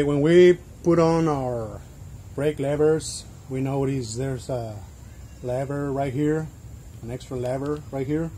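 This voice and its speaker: A man's voice: mid-range voice, mellow, slight background noise. A young man narrating a step-by-step DIY tutorial in a plain, instructional way. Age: young adult. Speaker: DIY bike vlogger.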